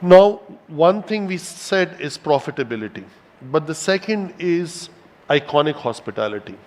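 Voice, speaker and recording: A man's voice: a little high, expressive, moderate pace. Man presenting in a reverberant hall. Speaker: company executive presenting to investors. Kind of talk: corporate investor presentation. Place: hotel event hall with audience present.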